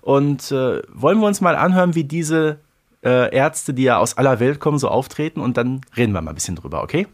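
A man's voice: mid-range voice, lively intonation, fairly quick. A man co-hosting a podcast, reviewing a radio play in colloquial, emphatic casual chat full of idioms. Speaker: podcast co-host.

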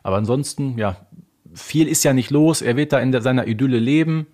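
Man, medium pitch, casual podcast co-host, emphatic and colloquial, opinionated. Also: brisk, a little mellow.

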